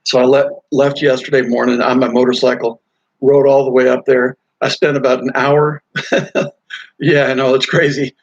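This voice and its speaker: Streaming live while traveling, the same kind of speaker, a middle-aged motorcycle vlogger at a hotel or rest stop, rambles casually, full of fillers and false starts. The pitch is medium and the tone level, delivered at an ordinary speed in a dry recording with a dull lo-fi quality.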